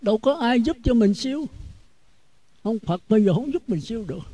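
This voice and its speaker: Blunt Southern Vietnamese monk, high voice. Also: male voice, expressive, fairly quick, warm tone, rough recording. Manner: blunt, outspoken, repeats words while searching. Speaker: Buddhist monk preaching. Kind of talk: sermon.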